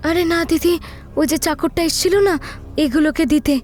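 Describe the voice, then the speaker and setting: একজন মহিলা অডিও ভূতের গল্পে কনের উদ্বিগ্ন, বিনীত মায়ের ভূমিকায় কাতর ভঙ্গিতে কথা বলছেন।. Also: female voice, very high voice, steady tone, moderate pace, darkish tone, soft background music. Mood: defensive, flustered. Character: anxious, deferential village mother of a bride. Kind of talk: audio horror story dialogue.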